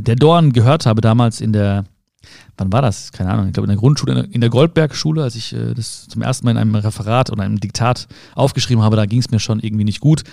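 A man with a warm, mellow voice talks the listener through a quiet self-help monologue. He speaks calmly to them as a friend, circling back to rephrase each point. The sound is close and dry, with no room around it. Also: lowish voice, creaky, no echo. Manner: calm, addresses the listener directly, rephrases often. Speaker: podcast host.

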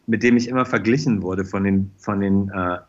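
A man's voice: fairly low pitch, normal speed, dull audio. A middle-aged man speaking as a guest in a casual podcast interview, chatty and often repeating his phrases. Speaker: interview guest, fashion designer.

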